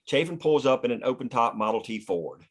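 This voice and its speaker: A man serves as narrator at a screenplay table read. He reads scene headings and action lines in a scripted narration style, at an average male pitch. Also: very animated, brisk. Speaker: stage-direction narrator.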